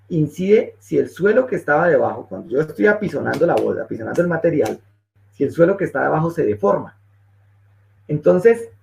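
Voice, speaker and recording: A man's voice: fairly high pitch, vocal fry. A male engineering instructor giving a technical webinar lecture, explaining step by step and checking in often with his listeners. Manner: explanatory, checks in with frequent "¿listo?". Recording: muffled lo-fi webinar audio.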